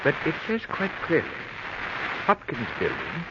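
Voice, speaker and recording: An actor playing a polite, cautious, methodical jewelry shop owner in a 1940s radio drama, speaking formally. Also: male voice, fairly high pitch, wildly swooping pitch. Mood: wary, grave. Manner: formal, measured, hesitant. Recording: very noisy muffled vintage radio recording.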